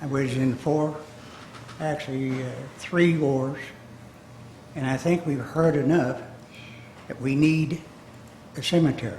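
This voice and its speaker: A man with a fairly high pitch speaks at a fairly slow pace with long, frequent pauses and fairly even intonation, amid noticeable background noise and audible room echo. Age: 80s+. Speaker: war veteran. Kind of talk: public comment at council meeting. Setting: city council chamber. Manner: halting.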